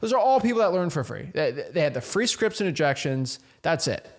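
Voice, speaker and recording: A young man coaching real estate wholesalers in an energetic, casual motivational talk, repeating himself and using plenty of slang. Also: fairly high pitch, a little fast.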